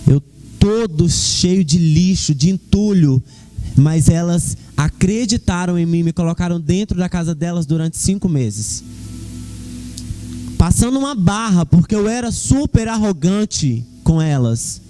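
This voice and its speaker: A man's voice: sits high, lively intonation, unhurried, mellow, faint music behind. A young man giving a fervent church testimony, speaking directly to the congregation. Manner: fervent, addresses the congregation as "queridos".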